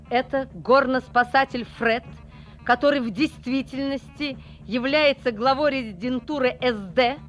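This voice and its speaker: A woman's voice: on the high side, close to an everyday voice. An actress playing a resolute woman correspondent making a declarative, accusatory radio bulletin in an audio drama. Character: resolute female newspaper correspondent exposing a killer.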